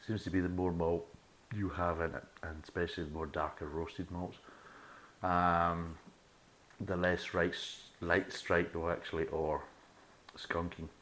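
A man's voice: sits low, level tone, unhurried, a bit bright. A middle-aged Scottish man hosting a beer review podcast, chatty and swearing freely as he talks. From Scotland. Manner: chatty, swears freely, laughs at own jokes. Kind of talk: casual chat.

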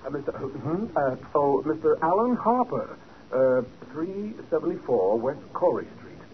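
An actor playing a hesitant, fussy store clerk in a 1940s radio drama. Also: male voice, on the high side, big pitch swings, normal speed. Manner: hesitant, full of uhs. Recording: dull old radio broadcast with hiss.

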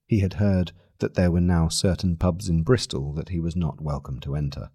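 A man narrates long-form journalism in a very low voice. His phrasing is measured and deliberate, with a slightly husky edge to the sound. The recording is dry and close, with little room in it. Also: fairly even intonation, dark tone, dry recording. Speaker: narrator reading a long-form newspaper article aloud.

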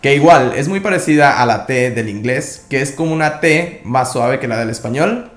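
A man teaching a language lesson, calmly explaining each sound step by step. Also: medium pitch, moderate pace. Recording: echoey room.

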